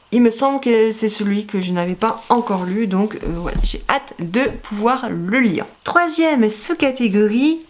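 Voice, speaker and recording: A young woman chatting through her autumn reading picks in a relaxed vlog, her pitch sitting in an ordinary middle range. She hesitates a lot with little fillers but stays keen and friendly throughout. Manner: hesitant, many "euh" fillers, enthusiastic. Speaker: book vlogger. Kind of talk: casual book haul vlog.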